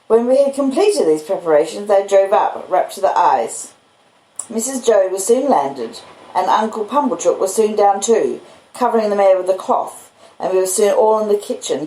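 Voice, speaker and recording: A woman's voice: mid-range voice, dark tone, reverberant, low-quality recording. A woman with an Australian accent reading a classic novel aloud as scripted storybook narration. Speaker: audiobook reader.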